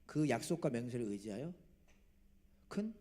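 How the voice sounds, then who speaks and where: A man preaching a sermon as pastor, animated, throwing rhetorical questions at the congregation and dropping from loud to hushed, with self-mocking jokes. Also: mid-range voice, normal speed. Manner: jokes about himself.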